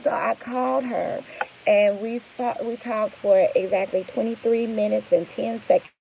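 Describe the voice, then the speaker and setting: A woman's voice: on the high side, fairly even intonation, measured pace, creaky, lo-fi sound, a little hiss or hum. A tired woman who runs a trucking business, talking candidly and rambling to her viewers in a casual vlog, full of fillers.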